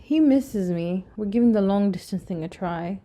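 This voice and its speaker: Woman playing a mellow, cheeky flirt. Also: medium pitch, expressive, normal speed, close to an everyday voice. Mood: flirty. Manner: coy, suggestive. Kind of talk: audio drama acting.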